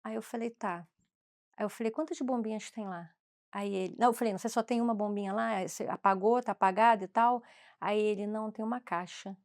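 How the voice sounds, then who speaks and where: A woman's voice: mid-range voice, steady tone, brisk. A woman with a Brazilian Portuguese accent, a former school principal, telling a story in conversation and acting out the dialogue with shifting voices.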